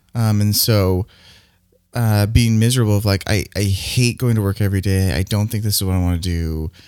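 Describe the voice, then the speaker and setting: In a very clean recording with a silent background, a man with an American accent speaks at a fairly quick pace, with a fairly low pitch and fairly even intonation. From Southern California. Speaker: actor and comedian. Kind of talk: casual chat. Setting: studio. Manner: halting.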